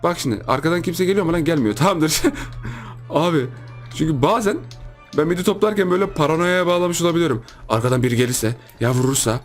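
A man's voice: on the high side, fast, soft background music. Playful man chatting over his gameplay. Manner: playful, teasing, chatty with viewers. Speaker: gaming YouTuber. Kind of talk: casual let's-play commentary.

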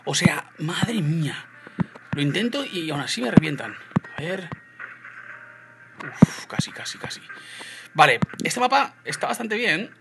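A young man from Spain with a Spanish accent, giving casual gameplay commentary, swinging between loud outbursts and low muttering. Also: sing-song, moderate pace, heavy background noise. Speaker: gaming youtuber.

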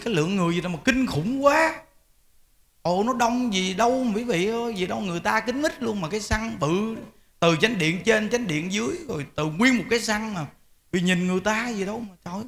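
A man's voice: high-pitched, a bit bright. A man, a Buddhist monk, giving an informal, emphatic dharma talk to lay followers. He repeats words and often speaks to his listeners directly.

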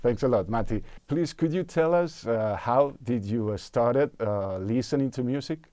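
Male podcast host, 30s, native Spanish speaker; halting delivery with fillers, mid-pitched voice. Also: dark tone, dry recording. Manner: hesitant, many uh fillers. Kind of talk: interview. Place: small room with acoustic foam panels.

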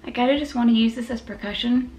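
A woman's voice: on the high side, fast talker, a little mellow. A woman hosting a mukbang, chatting casually about desserts while chewing and tasting. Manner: chatty and self-deprecating, talks while chewing. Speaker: food vlogger.

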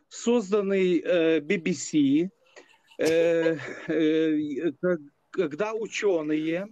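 A man from Ukraine calling into a live stream, debating in a halting, deliberate way with drawn-out hesitations over an internet call. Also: high voice, a little mellow, no echo. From Lviv, Ukraine. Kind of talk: unscripted debate. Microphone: internet video call. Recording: dull lo-fi call audio.

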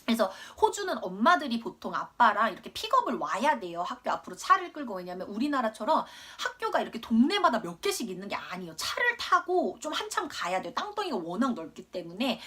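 An English tutor in her twenties, Korean by origin and raised in Australia, shares a rambling story at her own expense in a lesson video. She sounds on the high side, fairly bright, with a breathy edge, chatting away and laughing at herself.

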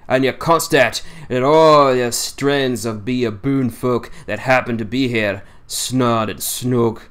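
A man's voice: mid-range voice, slow, a bit bright. Man putting on a boastful old seaman, broad dialect, storybook. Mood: mocking. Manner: broad dialect, scornful ranting. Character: boastful grumbling old male Yorkshire seaman. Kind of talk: audiobook reading.

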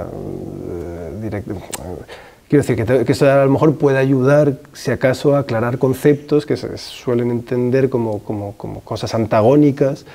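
A man talks through his ideas as a film director in an interview. His voice is gravelly and mellow, and he often stops, repeats himself and searches for words, filmed indoors at a middling distance. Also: mid-range voice. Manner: hesitant, many restarts and fillers, thinks aloud; gestures with his hands as he talks. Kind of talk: interview answers. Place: room with wooden shelves, indoors.

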